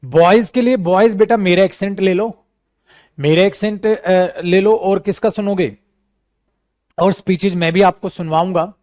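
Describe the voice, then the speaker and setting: A man teaching a live spoken English class keeps calling his students "beta," chatting animatedly and repeating himself. His voice is high and a little slow, and the recording is dry and studio-clean.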